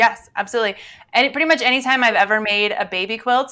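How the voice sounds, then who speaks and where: Speaking at a fairly quick pace, a woman has a bright, sharp tone and ordinary pitch variation. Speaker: online event moderator. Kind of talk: live Q&A. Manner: fast.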